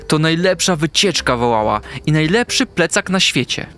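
A man narrating a children's story in a gentle, expressive storytelling manner. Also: medium pitch. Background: soft music.

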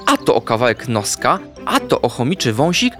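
A man narrating a children's bedtime story in an expressive, playful way. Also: medium pitch, normal speed. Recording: faint background music.

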